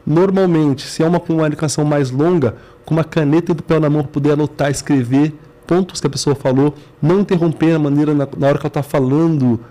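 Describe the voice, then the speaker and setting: Brisk Brazilian man explaining earnestly. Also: fairly high pitch, fairly even intonation, warm tone. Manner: earnest, instructive, piles up short phrases. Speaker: guest, business management CEO. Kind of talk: explanatory interview talk.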